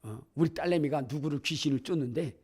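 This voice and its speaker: A middle-aged man preaching a sermon as pastor, telling stories with acted-out voices and rising to loud exclamations. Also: a little high, fairly quick, husky. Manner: animated storytelling, acting out voices, builds to shouts.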